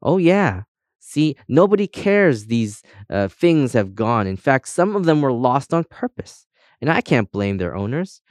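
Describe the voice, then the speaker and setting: A man's voice: medium pitch, sing-song, a little slow, dry recording, clean studio sound, voice pushed up. A man voicing a chatty, cheerful female compass in a children's audiobook, with breezy, boastful colloquial talk. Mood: brisk, warning.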